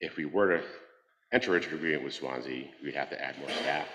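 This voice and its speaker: Very deep, low male voice at a fairly quick pace, with music in the background. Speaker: fire chief. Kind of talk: public meeting discussion. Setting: public meeting room with microphones. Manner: loud.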